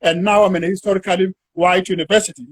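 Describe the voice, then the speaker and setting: High-voiced husky South African man. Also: fairly even intonation, no echo, studio quality. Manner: measured, stretches words while thinking. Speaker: university academic. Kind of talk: academic discussion.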